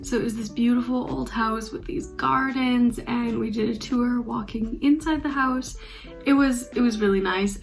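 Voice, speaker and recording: A woman's voice: a little high, vocal fry. A young woman from Canada with a Canadian accent, chatting casually and upbeat in a travel vlog. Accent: Canadian English. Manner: chatty, upbeat, laughs easily. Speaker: vlogger.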